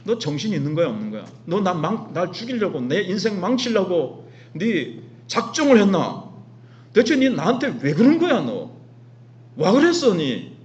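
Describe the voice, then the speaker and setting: A man doing an indignant ancient king, gyeongsang dialect, rapid accusing questions, high-ish voice, dull lo-fi sound. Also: sing-song, a little mellow.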